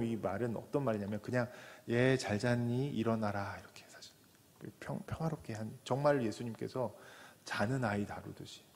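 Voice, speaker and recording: Man, pastor, sermon, voices the people in the story, long church reverb. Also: fairly low pitch. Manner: acts out voices of the people in the story, from shouting to soft whispers. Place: church sanctuary.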